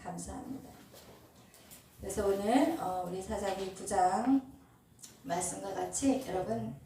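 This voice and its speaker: A woman's voice: mid-range voice, unhurried, dark tone, slight background noise. A woman pastor preaching an emphatic sermon and trading amens with the congregation. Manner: emphatic preaching with call-and-response. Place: church sanctuary. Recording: echoey hall, distant mic.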